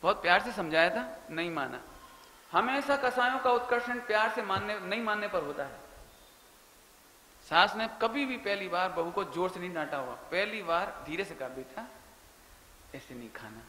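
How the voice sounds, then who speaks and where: A man's voice: sits high, animated, moderate pace. A man giving a sermon, telling family anecdotes and voicing the people in them. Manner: storytelling, softly voicing family members in quoted lines. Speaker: Jain preacher. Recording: echoey hall with long reverb, faint ambience.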